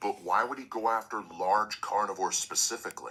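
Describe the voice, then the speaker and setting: A man's put-on character voice at medium pitch and a fairly quick pace. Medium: machinima. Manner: skeptical.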